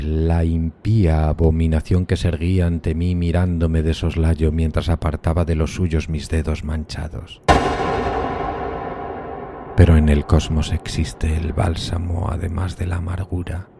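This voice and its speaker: A man playing a solitary, anguished undead outcast, narrating a gothic horror audio drama in a solemn, theatrical, deliberate way. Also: very deep voice, dark tone, slight background noise.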